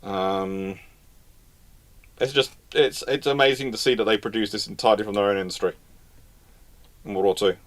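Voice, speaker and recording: Speaking in a lowish, steady voice at a moderate pace, a man pauses often while fielding audience questions. It's a live Q&A with casual history talk, and his informal, well-informed answers are full of restarts and repeated phrases.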